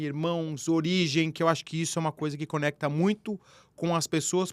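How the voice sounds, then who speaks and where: A man's voice: on the high side, dry recording. A man hosting a podcast interview, effusive and welcoming toward his guest. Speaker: radio and podcast host.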